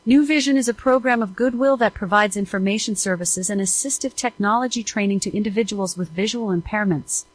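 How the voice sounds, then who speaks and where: Woman, announcer, medium pitch, formal scripted read. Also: a little fast, hardly any pauses, rough recording. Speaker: announcer reading the sponsor credits.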